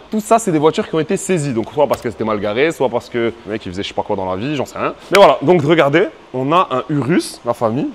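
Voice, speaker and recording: A man vlogging casually to camera outdoors, slangy and excitable, calling his viewers family. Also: on the high side. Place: outdoors in a city, around a car pound.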